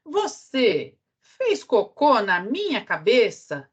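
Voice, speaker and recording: A woman's voice: huge pitch swings, slow pace, husky, highs cut off, exaggerated voice. A woman doing an indignant little near-sighted mole. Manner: high, insistent repeated questioning. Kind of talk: storybook read-aloud.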